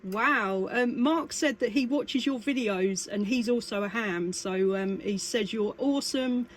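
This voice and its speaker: A woman's voice: a little high, a little slow. A chatty, exclamatory woman operating a CB radio in a two-way chat. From United Kingdom. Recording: radio contact with faint static.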